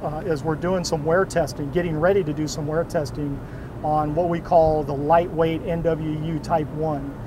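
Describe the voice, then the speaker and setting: A man speaks with monotone, flat intonation against noticeable background noise, the sound dry with no echo. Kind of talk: interview answer. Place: boat.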